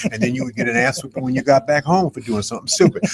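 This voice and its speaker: A somewhat breathy voice with ordinary pitch variation and a dry, close sound with no echo. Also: man. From New York, Brooklyn (Bed-Stuy). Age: 70s. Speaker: motivational speaker. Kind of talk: interview. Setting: event venue. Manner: animated.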